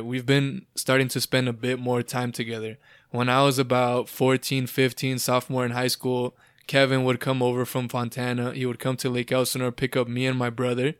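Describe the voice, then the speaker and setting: A man's voice: medium pitch, a bit bright, smooth, dry recording, clean studio sound. Upbeat chatty young man hosting. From Southern California. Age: 20s. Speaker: podcast host. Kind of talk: casual podcast conversation.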